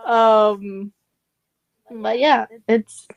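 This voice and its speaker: A woman's voice: on the high side, fairly even intonation, drawn-out words, vocal fry, dry recording, dull audio. A woman with an Asian American accent, chatting casually as a podcast guest, rambling with many ums and giggles. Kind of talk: casual chat.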